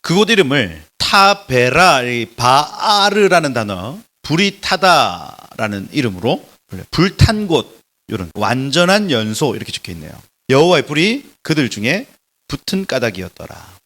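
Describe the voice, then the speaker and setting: A man preaching a lecture-style sermon in a church, emphatic and animated, swinging between loud exclamations and soft drops. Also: medium pitch, normal speed. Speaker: pastor giving a Bible lecture.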